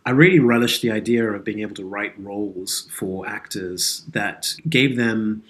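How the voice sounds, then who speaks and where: Male, lower-pitched voice; thoughtful, articulate interview guest with an earnest delivery. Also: normal speed, fairly bright tone. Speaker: interview guest, actor and audio drama creator. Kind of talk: reflective interview conversation.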